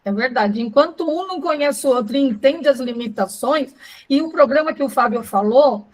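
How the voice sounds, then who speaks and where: A woman's voice: high voice, normal speed, low-quality recording. A woman co-hosting a casual live sales class, talking to her audience and asking them questions. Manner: engaging, asks the audience questions. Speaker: co-host, sales trainer.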